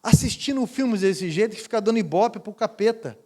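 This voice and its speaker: A man with a Minas Gerais Brazilian accent, a pastor preaching a sermon, telling stories and building to loud emphatic peaks. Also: high voice, expressive, fairly quick. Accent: Brazilian Portuguese, Minas Gerais. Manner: storytelling, rising to shouts at climaxes.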